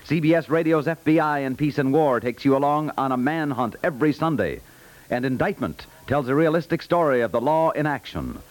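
A man's voice: fairly high pitch, lively intonation, brisk. A man with an American accent announcing in a polished, punchy 1950s network radio promotional style. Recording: vintage 1950s radio broadcast.

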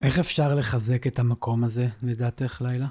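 A woman's voice: a bass voice, steady tone, dark tone. A woman hosting a podcast interview, asking brief friendly questions. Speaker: podcast host.

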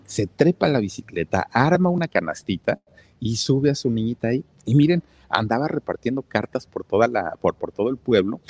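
A man with a Mexican accent tells a story in a loose, chatty way and keeps talking straight to his listeners. His voice sits low and sounds husky. He fills his sentences with fillers. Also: a little mellow, no echo. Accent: Mexican Spanish. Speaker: channel storyteller. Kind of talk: casual storytelling.

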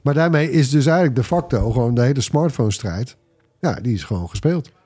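A man's voice: medium pitch, animated, fairly quick, warm tone, slightly rough. A man hosting a casual tech podcast, talking in a colloquial, opinionated way. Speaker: podcast host.

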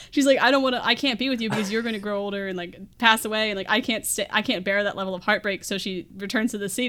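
A woman's voice: mid-range voice, a bit bright. A woman chatting casually as a podcast co-host, giggly and rambling as she recaps a plot and acts out quoted lines.

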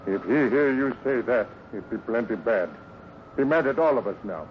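Actor as gentle foreign ranch hand, muffled recording. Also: male voice, medium pitch, animated, normal speed, close to an everyday voice. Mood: alarmed. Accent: foreign, broken English. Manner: broken pidgin grammar, earnest and soothing. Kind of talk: 1950s radio western acting. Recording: muffled, noisy old radio recording.

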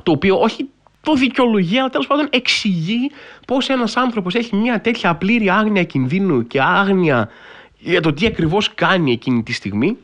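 A man hosts a casual podcast, spinning a story with wry disbelief. His voice sits a bit high for a man and swings widely up and down as he gets carried away. He peppers his talk with fillers and loose asides. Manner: animated storytelling with frequent filler phrases; wry, incredulous humor. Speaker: podcast host.

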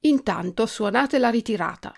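A woman's voice: a little high, expressive, moderate pace, creaky, voice pushed up. A woman voicing a pompous, boastful male mouse general who declaims his oaths in a storybook.

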